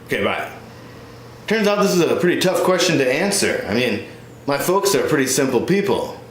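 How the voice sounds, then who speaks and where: A man's voice: mid-range voice, big pitch swings, moderate pace. A man performing a comic storytelling monologue in a one-man show, playing both parts. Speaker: solo stage performer. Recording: roomy echo with faint noise.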